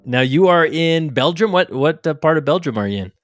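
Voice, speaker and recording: A man's voice: a little high, lively intonation, a little fast, dry recording, clean studio sound, faint music behind. A man hosting a podcast interview in a casual, upbeat way, with loose fillers like "you know.".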